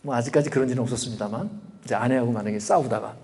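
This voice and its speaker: Korean pastor preaching in a reverberant church. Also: male voice, mid-range voice, very fast, a little mellow. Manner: conversational preaching with rhetorical questions and acted quotes. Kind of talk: sermon. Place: church sanctuary. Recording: long reverb of a church hall.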